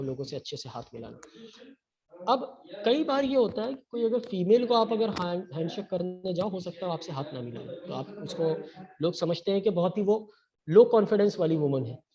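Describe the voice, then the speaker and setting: A man teaches an online training session, switching between Hindi and English and pausing often to ask "okay?". His voice sits somewhat high. The webinar audio is muffled and lo-fi. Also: mellow, a little hiss or hum. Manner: mixes Hindi and English, frequent "okay?" check-ins. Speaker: lecturer. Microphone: webinar computer mic.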